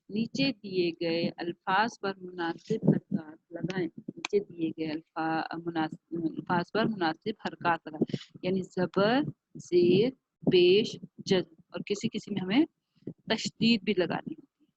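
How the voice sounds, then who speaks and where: A woman with a Pakistani accent teaching a class online, sounding out words slowly and carefully and repeating them. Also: mid-range voice, creaky, no echo. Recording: dull lo-fi home recording.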